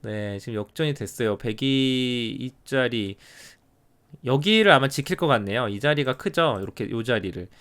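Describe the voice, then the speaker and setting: A middle-aged man gives live commentary on a Go game in a smooth, resonant voice. He drops to a low murmur to count points, then comes back louder with quick, animated reactions. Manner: counts territory under his breath, then exclaims at turns.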